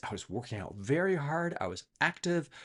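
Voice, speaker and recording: A somewhat breathy man's voice with very wide pitch swings, dry and close with no echo, against a quiet background. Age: 50s. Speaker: life coach. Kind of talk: personal vlog monologue. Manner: conversational.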